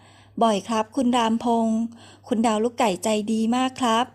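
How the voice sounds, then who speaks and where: A woman's voice: on the high side, steady tone, moderate pace, a little mellow, close to an everyday voice. A woman voicing a cheerful, polite and naive young man in a storybook reading. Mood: earnest. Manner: polite and eager.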